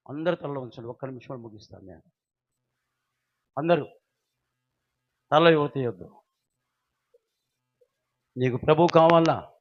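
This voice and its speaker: A male pastor preaching a sermon with passion, swinging from loud outcries to hushed storytelling, in a dull lo-fi recording. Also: mid-range voice.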